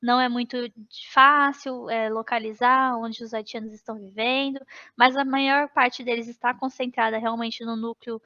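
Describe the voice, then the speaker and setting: A woman's voice: a little high, fairly even intonation, moderate pace, sharp tone. Brazilian woman explaining a lesson. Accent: Brazilian Portuguese. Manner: explanatory, with fillers and restarts. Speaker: teacher trainer. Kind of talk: presenting a lesson. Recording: dull lo-fi online meeting.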